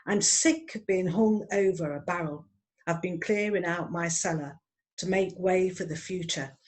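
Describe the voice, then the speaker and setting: A woman's voice: fairly low pitch, a little slow, a little mellow. A woman in her fifties reading her own punning poem aloud with a wry delivery, over an online call. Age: 50s. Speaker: poet. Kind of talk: poetry reading. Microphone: online video call.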